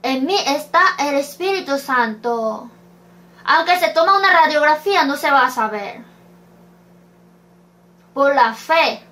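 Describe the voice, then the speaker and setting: A woman's voice: high voice, animated, unhurried, pauses often, sharp tone. A woman preaching a sermon, reading scripture verses aloud and asking rhetorical questions. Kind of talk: slow sermon.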